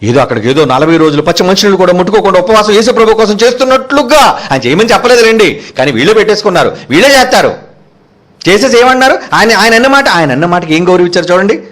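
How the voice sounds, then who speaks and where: ఎత్తైన గొంతుతో ఆవేశంగా ప్రసంగించే బోధకుడు. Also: male voice, high voice, sing-song, fast talker, fairly bright tone. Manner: fiery, rhetorical questions, repeats each verse after it is read. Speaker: preacher. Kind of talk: sermon.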